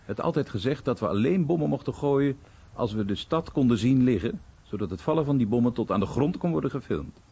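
A very husky, dark-toned male war veteran recounts his past soberly for radio. His intonation moves widely, and the sound is slightly dull. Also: mid-range voice, lively intonation, a little fast. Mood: narrating. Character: American war veteran soberly recalling bomber days. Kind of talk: radio documentary-drama monologue.

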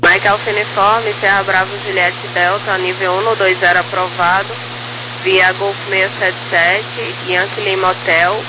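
A woman air traffic controller reading clipped procedural clearances over a crackly, military-style radio. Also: medium pitch. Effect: radio transmission. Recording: very noisy crackly aviation radio.

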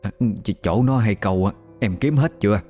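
A man voicing a calm older village woman in a storybook, reassuring her neighbor. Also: fairly low pitch, fairly quick, faint music behind, natural voice.

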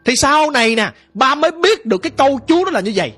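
A woman's voice: high-pitched, big pitch swings, quick pace, a bit bright, faint music behind. A woman telling a ghost story in a dramatic, conversational way.

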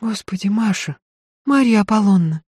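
A narrator voicing a gentle young lady of good family who cries out in breathless alarm. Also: medium pitch, slow pace, breathy edge, no echo, clean studio sound, voice pushed up.

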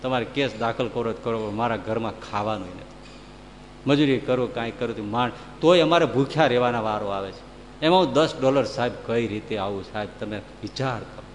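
A man's voice: medium pitch, fairly even intonation, a little fast, long reverb tail, a little hiss or hum, voice pushed down, lightly acted. A man voicing a poor, humble male debtor who pleads tearfully. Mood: pleading.

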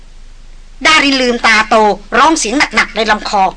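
A woman's voice: a little high, brisk, very noisy. A woman narrating a novel with dramatic, vivid delivery. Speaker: audiobook narrator. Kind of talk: novel reading.

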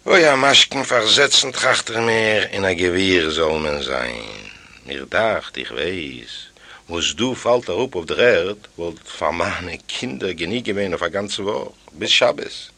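Reading a first-person tale aloud for an audiobook, this man has a low voice and a measured pace. He tells the story in an animated way, full of sighs and exclamations.

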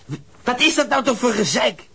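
A man's voice: very high-pitched, sing-song, moderate pace, pushed and bright, breathy edge, heavily acted. An actor playing a surly, defensive young male ship's stoker in a radio crime drama, coarse and sullen, stammering when riled. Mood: indignant. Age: young adult.

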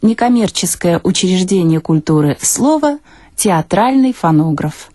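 A woman's voice: on the low side, very animated, unhurried, dark tone, no room sound, studio quality. A woman reading formal scripted radio credits as an announcer.

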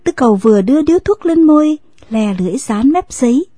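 A woman narrating an audio story in a measured reading voice. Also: high-pitched, animated, mellow, no room sound.

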